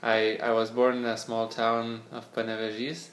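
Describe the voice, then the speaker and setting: A man's voice: mid-range voice, completely flat delivery, normal speed, a bit bright. A young man from Lithuania, answering interview questions hesitantly, often repeating words as he searches for them. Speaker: interview guest, scientist and startup founder. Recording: echoey room.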